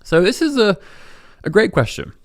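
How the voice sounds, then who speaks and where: A man's voice: sits high, wildly swooping pitch, normal speed, creaky, dry recording, studio quality. A young adult man hosting a podcast, talking in a reflective, chatty way, with plenty of fillers and restarts. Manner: reflective, chatty, lots of fillers and self-corrections. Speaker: podcast host. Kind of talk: relaxed podcast monologue.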